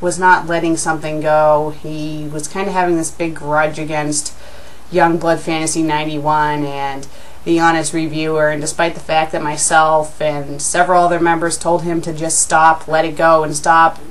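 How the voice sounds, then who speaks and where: A woman hosting a reading of fan fiction, with expressive, amused delivery and casual commentary. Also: fairly low pitch, a little hiss or hum.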